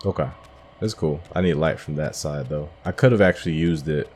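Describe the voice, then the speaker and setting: Very deep-voiced man musing over a game. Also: a little fast, darkish tone, a little hiss or hum. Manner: musing, thinking aloud. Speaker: gamer hosting a playthrough. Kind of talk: casual game commentary.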